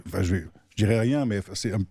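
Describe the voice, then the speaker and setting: A man's voice: fairly low pitch, quick pace, creaky, mellow, no room sound. A man presenting a musician on morning radio, hesitant and stammering. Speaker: music columnist. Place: radio studio.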